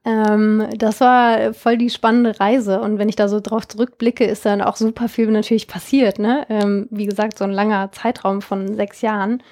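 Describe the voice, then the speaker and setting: A woman's voice: mid-range voice, little pitch movement, normal speed, few pauses, a little mellow. A young woman from Germany, founder of a jewelry company, answering interview questions in a chatty way with many fillers and restarts. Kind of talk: casual interview.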